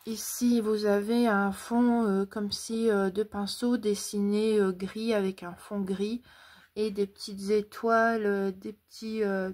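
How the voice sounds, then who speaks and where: A woman's voice: medium pitch, a little mellow. A woman presenting a craft haul, describing papers with many hesitations. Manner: hesitant, many fillers, describing items slowly. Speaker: craft YouTuber. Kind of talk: casual haul video.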